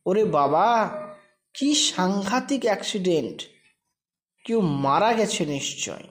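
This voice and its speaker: Woman voicing a modest, excitable middle-aged gentleman. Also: mid-range voice, takes it slowly. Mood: startled whisper.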